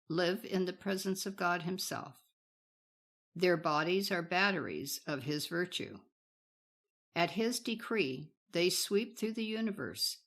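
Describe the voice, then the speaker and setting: A woman reading a scripted spiritual teaching in a solemn, reverent, formal manner. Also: fairly low pitch.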